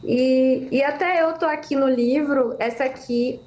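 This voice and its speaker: Woman guest author, high voice, animated storyteller, echoey room on a video call. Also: measured pace. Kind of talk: casual chat.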